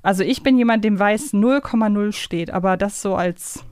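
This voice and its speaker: A woman's voice: mid-range voice, normal speed, darkish tone, clean tone, dry recording, studio quality. A woman co-hosting a casual podcast, talking in a conversational, reflective way and sharing her opinions. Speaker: podcast co-host. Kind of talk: casual discussion of a children's audio series.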